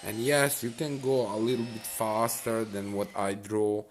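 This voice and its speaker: A man's voice: on the low side, little pitch movement, a little slow, slight background noise. A man giving casual, rambling commentary while playing a racing game, full of fillers and restarts. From Bosnia and Herzegovina. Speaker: mobile racing game streamer.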